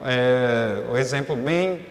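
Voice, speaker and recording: A man's voice: medium pitch, slow. A male teacher giving a recorded class, explaining step by step and often checking in with his students. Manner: explanatory, frequent checking fillers. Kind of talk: recorded online class lesson. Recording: echoey room with long reverb.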